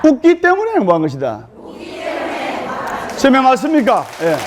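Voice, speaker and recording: Male monk, Gyeongsang accent, humorous dharma talk, high voice, slow deliberate pauses. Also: wildly swooping pitch, a crowd in the background, noisy background.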